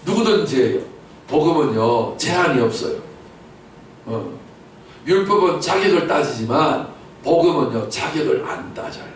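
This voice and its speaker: Preaching on Sunday, this pastor has a slightly high voice with lively intonation and a moderate pace. He asks his congregation questions, repeats key words for emphasis, and breaks into sudden loud outbursts. The sound is distant and echoey, as in a church sanctuary, with faint noise underneath.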